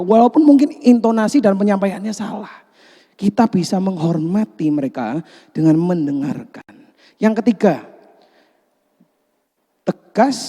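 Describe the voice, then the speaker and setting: High, mellow-voiced man preaching in a reverberant hall. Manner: animated preaching with jokes and asides to the congregation. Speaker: pastor. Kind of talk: sermon.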